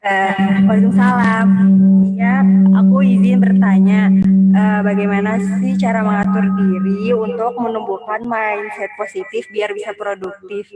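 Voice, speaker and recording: Woman asking over loud music on a call. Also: medium pitch, level tone, measured pace, rough recording. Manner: polite, hesitant asking. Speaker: participant asking a question. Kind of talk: question in an online session. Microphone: video call.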